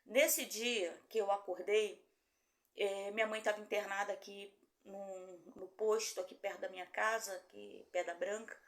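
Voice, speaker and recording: A woman's voice: steady tone, moderate pace. A middle-aged Brazilian woman pastor, preaching a sermon and telling a story, acting out the voices of the people in it. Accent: Brazilian Portuguese. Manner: storytelling, acts out dialogue with rising pitch. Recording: echoey room.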